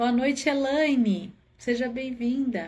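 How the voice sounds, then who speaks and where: A woman speaks in a high pitch with a warm tone. Her pace is very slow, with ordinary pitch variation. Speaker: spiritist study group leader. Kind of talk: livestream welcome and announcements. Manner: soft-spoken; warm, friendly.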